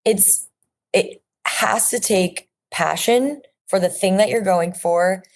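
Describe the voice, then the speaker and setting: Taking things slowly in a mid-range voice, an Orange County actress in her thirties reflects earnestly during a casual interview. Her speech is full of fillers and frequent restarts.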